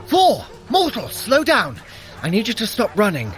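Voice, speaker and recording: An actor playing a vain, sardonic trickster god and sorcerer in a theatrical, wry audio adventure style. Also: male voice, high-pitched, wildly swooping pitch, normal speed, fairly bright tone, faint music behind, full character voice. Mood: alarmed. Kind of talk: scripted audio adventure acting.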